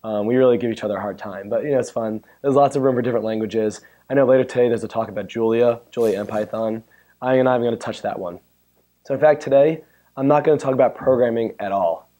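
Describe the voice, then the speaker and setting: A man with a hoarse, worn-out voice giving a chatty, joking technical talk at a conference and bantering with the audience. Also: mid-range voice, quick pace, dark tone. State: hoarse, losing his voice. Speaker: conference speaker. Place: conference room. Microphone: handheld or stand mic.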